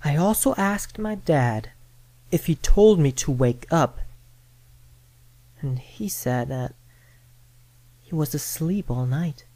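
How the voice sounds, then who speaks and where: Slow, low-voiced woman telling a scary story. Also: expressive, dark tone, dry recording. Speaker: horror story reader. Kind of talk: dramatic first-person scary story narration. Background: background music.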